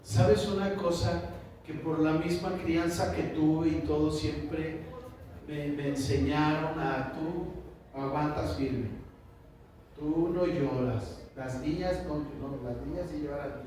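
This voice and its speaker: Pastor preaching in an echoey church. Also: male voice, fairly high pitch, steady tone, slow pace, a little mellow, slight background noise. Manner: conversational preaching, asks the congregation questions. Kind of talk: sermon. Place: church hall. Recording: echoey church sound from a distance.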